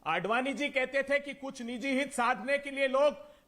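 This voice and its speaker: Shrill, very high-pitched forceful male debater. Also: normal speed. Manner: accusatory, insistent, declamatory. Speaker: political debate panelist. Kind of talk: heated declamatory political argument.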